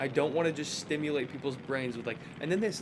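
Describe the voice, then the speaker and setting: Amid noticeable background noise and audible room echo, a man talks very fast at a fairly high pitch. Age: 20s. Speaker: gaming streamer. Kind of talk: casual chat. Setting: live stream.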